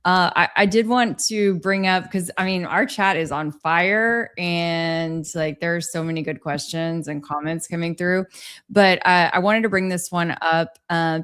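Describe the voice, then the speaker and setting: A woman's voice: on the low side, fairly bright tone, clear, resonant tone. A woman hosting a livestream, chatting casually with her panel and viewers. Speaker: livestream host. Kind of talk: casual chat, reading out viewer comments.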